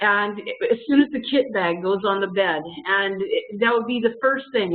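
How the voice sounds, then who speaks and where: A woman with a Canadian accent, fairly high pitch and a moderate pace. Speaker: songwriter and painter. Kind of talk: casual chat. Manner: halting.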